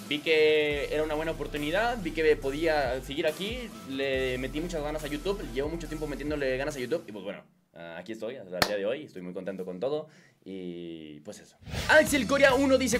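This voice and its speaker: Twenties Mexican man, YouTuber doing casual viewer Q&A; slightly high pitch, easy slang, faint music under. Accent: Mexican Spanish, with a mixed lilt. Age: 20s. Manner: relaxed slangy chat, swings high and loud reading questions, drops low and soft answering. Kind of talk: casual Q&A chat to camera. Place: small home studio room, indoors. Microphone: studio condenser mic on boom arm.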